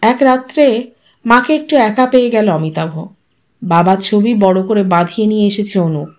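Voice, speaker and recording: A woman narrating a short story aloud in a calm, measured audiobook style. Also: medium pitch.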